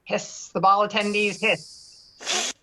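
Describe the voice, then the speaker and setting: A woman's voice: mid-range voice, level tone, slow, sharp tone, slight background noise, low-quality recording. A woman casually narrating stage directions in a virtual table read of a script.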